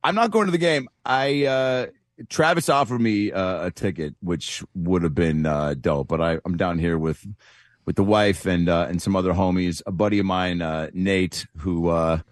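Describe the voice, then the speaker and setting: A man's voice: low-pitched, normal speed, no echo, studio quality. A man who is a comedian, chatting as a guest and telling rambling, self-deprecating stories full of fillers. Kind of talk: casual anecdotal chat.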